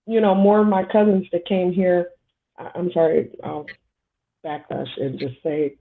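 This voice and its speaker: A woman's voice: lowish voice, steady tone, unhurried. Woman in her forties on a tinny line. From Somalia. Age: 40s. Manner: candid, rambling storytelling. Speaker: guest panelist. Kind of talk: casual panel chat.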